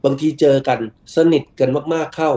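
Dark-voiced man explaining patiently. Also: on the high side, steady tone, normal speed. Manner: patient, explanatory, frequent polite particles. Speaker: guest expert on Chinese business culture. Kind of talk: explanatory interview talk.

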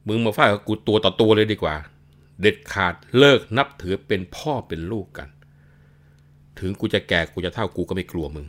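A man voicing a vengeful aging male warrior who shouts curses at his son. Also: deep voice, lively intonation, normal speed. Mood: raging. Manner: shouting curses, crude pronouns.

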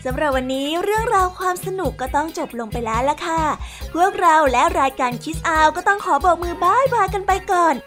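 A woman's voice: extremely high pitch, expressive, a little fast, fairly bright tone. A woman hosting a children's radio show, politely and cheerfully signing off. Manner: sweet, polite, upbeat. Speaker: host. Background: background music.

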